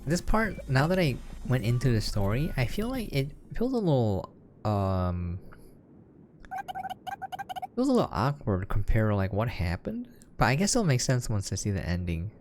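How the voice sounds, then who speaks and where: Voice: mid-range voice, sing-song, normal speed, a little mellow, slight background noise. A person giving casual gameplay commentary, explaining and musing aloud in an informal way. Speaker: game commentator. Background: game music.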